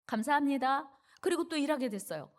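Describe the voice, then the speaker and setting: A woman's voice: a little high, animated, normal speed. A woman pastor preaching a sermon in a church, telling a parable vividly and leading the congregation in reading. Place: church sanctuary.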